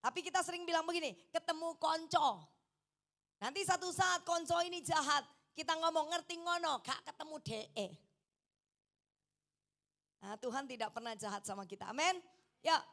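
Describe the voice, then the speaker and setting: Animated high-voiced East Javanese woman preacher. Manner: animated, mixes in Javanese, coaxes the congregation to say amen. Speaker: evangelist preacher. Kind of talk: lively sermon. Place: church hall.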